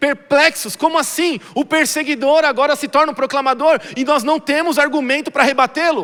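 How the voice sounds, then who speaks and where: A man is speaking. His tone comes across bright and sharp. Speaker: pastor. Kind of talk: sermon. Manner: fast.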